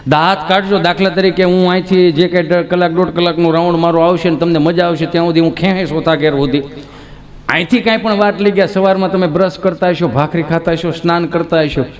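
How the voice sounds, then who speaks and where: A man's voice: fairly high pitch, fairly even intonation, fast talker. A middle-aged man telling chatty village stories on stage, acting out voices. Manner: chatty, village-style storytelling, acts out voices. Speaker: stand-up comedian. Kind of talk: Gujarati folk stand-up storytelling. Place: live show before an audience.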